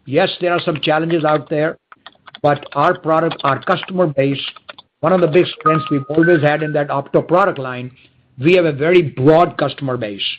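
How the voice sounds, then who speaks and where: A man speaking as a company executive, giving unscripted answers on a dull, slightly noisy conference call. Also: fairly high pitch. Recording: dull call audio with clicks, typing noise.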